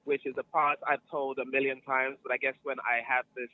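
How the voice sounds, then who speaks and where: Being interviewed, a man with a transatlantic accent, a celebrity wardrobe stylist born in New York who grew up across Europe and Sierra Leone, chats casually, playfully self-assured and rich in anecdotes. His medium-pitched voice has little pitch movement and runs a little fast. The audio is narrow and tinny, with no echo.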